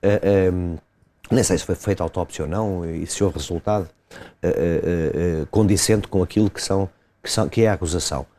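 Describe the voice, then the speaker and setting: Man, lawyer, interview guest, low voice, warm dark tone, measured and hesitant explanations. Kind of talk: explanatory legal commentary in an interview.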